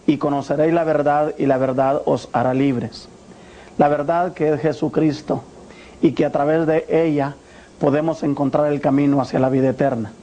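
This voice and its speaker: Guatemalan man in his forties, earnest preacher-like testimony, warm and a bit high. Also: a little hiss or hum. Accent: Guatemalan Spanish. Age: 40s. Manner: earnest, measured, preacher-like address. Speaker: former priest giving testimony. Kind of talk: religious testimony.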